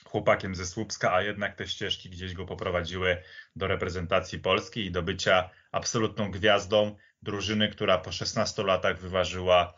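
Low-voiced man, reflective podcast talk. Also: little pitch movement, moderate pace, few pauses, fairly bright tone, dull audio. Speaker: podcast speaker. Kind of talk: conversational sports commentary.

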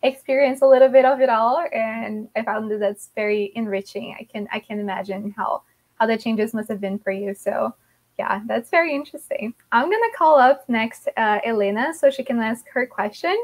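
A woman's voice: on the high side, moderate pace. A woman hosting an online club interview, chatty, with many likes and restarts. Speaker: host of an English learners' club. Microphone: video call.

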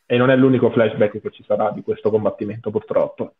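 A man's voice: lowish voice, fairly even intonation, fast. A man giving casual live commentary as a panelist on an anime watch-along, often repeating phrases for emphasis. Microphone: video call. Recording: muffled narrow-band video call audio.

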